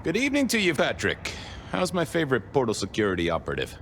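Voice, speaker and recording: An actor playing a persistent, courteous vampire police detective in a noir video game, with colorful old-fashioned phrasing. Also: male voice, medium pitch, huge pitch swings, fast talker, a bit bright, a little hiss or hum. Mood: friendly probing.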